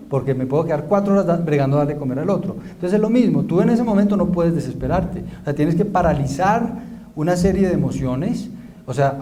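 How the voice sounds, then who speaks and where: A man's voice: on the high side, mellow, slight background noise, poor audio. A man with a Colombian accent, a priest, giving a conversational lecture to students, colloquial and anecdotal, often asking "¿no?".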